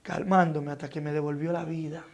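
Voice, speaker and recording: A man's voice: on the high side, steady tone, a little fast. A man giving a fervent, dramatic testimony as an interview guest, acting out his story with sound effects. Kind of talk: emotional testimony.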